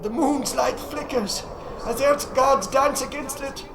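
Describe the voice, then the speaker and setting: A man's voice: noisy background, full character voice. A man voicing an old prophet in a horror audiobook, wildly exultant and boastful, proclaiming shrilly. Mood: wild exultation. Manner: shrill, wild, slow proclaiming shouts. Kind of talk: dramatic audiobook character voice.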